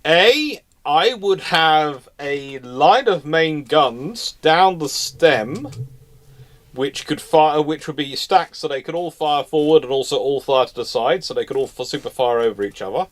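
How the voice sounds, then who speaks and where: A man hosting a casual, analytical discussion, building his points haltingly and repeating phrases as he goes. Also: fairly high pitch, animated. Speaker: host of a naval history question show.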